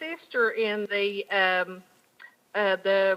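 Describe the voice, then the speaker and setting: A woman with a Southern US accent, a bright, sharp tone, fairly high pitch and a very slow pace. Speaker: caller. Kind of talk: phone call chat.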